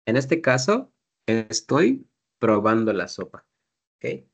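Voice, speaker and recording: A man's voice: mid-range voice, huge pitch swings, takes it slowly, muffled recording. A man teaching an English class, explaining patiently step by step and drilling pronunciation.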